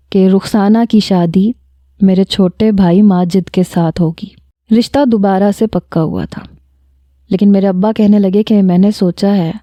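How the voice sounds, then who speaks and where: A woman narrating a first-person romantic story with a lively, expressive reading. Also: medium pitch, no room sound.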